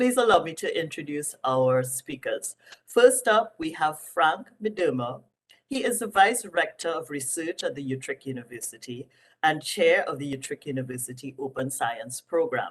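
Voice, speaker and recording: At a moderate pace, a woman with a strong Caribbean accent speaks in a fairly low pitch, with very wide pitch swings and big swings in loudness. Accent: heavy Caribbean. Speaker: associate librarian, webinar host. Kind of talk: webinar introduction, reading bios. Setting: online webinar.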